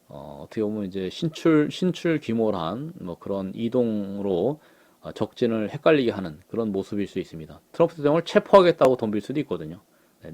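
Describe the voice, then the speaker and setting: Male commentator, conversational, unhurried, filler-heavy delivery. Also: fairly low pitch, darkish tone. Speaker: political commentator. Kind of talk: casual commentary on images.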